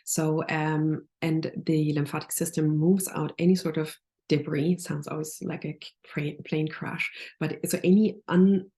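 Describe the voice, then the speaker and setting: A woman nutritionist talking through health advice in a relaxed podcast interview, pausing often and restarting her sentences. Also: sits low. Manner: thoughtful, many restarts and fillers. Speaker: nutritionist guest.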